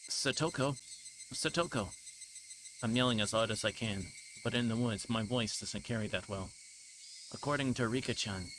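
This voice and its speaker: A man with a fairly low voice reads visual novel text aloud on a livestream. His delivery is measured and a little halting. There is clear background noise in the recording. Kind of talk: reading game text aloud.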